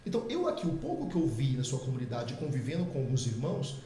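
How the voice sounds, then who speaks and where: A middle-aged man, a podcast guest, telling a personal testimony in a lively way and acting out the dialogue. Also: medium pitch, quick pace, slight background noise. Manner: lively, acts out quoted dialogue. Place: podcast studio. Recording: echoey room.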